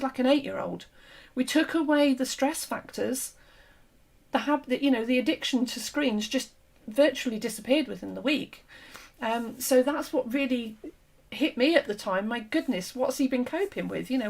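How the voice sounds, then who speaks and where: Host: woman, gravelly, slightly hoarse, earnest explainer, conversational interview. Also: high voice, animated, normal speed, a little mellow, poor audio. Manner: earnest, explanatory, with frequent fillers and restarts. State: losing her voice. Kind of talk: conversational discussion.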